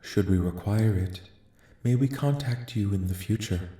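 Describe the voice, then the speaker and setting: A man playing a calm, benevolent alien envoy in a soft-spoken ASMR roleplay, speaking formally and solemnly in a measured, soothing way. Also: fairly low pitch, lightly acted. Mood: reassuring. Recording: echoing, reverberant voice track.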